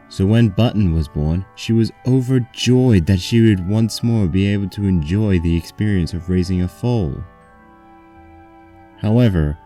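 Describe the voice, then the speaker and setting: A man's voice: low voice, mellow. A man reading a scripted story aloud as its narrator.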